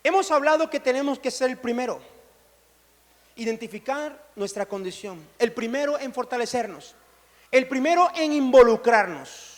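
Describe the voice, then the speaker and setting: A man's voice: very high voice, expressive, moderate pace. A male pastor preaching a sermon, urging his congregation to repeat phrases back to him. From Colombia. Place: large church hall. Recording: long hall reverb.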